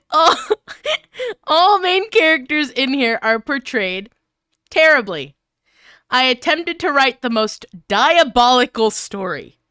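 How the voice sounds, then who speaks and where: A woman's voice: high voice, bright, forceful tone, clear, resonant tone, dry recording, studio quality. A woman streamer reading fan fiction aloud and chatting casually, in a giggly, easily flustered manner. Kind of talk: live fanfiction reading with casual chat.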